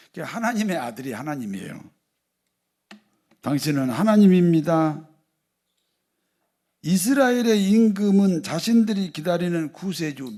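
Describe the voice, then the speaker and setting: A male pastor giving a sermon, often putting rhetorical questions to the congregation and moving between loud emphasis and quiet asides. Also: a little high.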